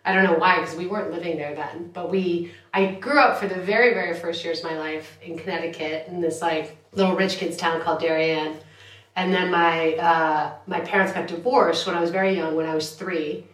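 Woman in her 40s, lowish voice, chatty and laughy, kinda roomy echo. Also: steady tone, fairly quick. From United States. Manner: chatty, laughing, self-deprecating asides. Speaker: guest, journalist. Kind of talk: casual interview. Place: London.

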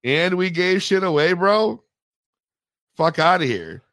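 A man hosting a podcast, hoarse and hyped, loudly signing off the show with slangy shout-outs. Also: sits high, expressive, takes it slowly, no room sound, clean studio sound. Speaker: podcast host.

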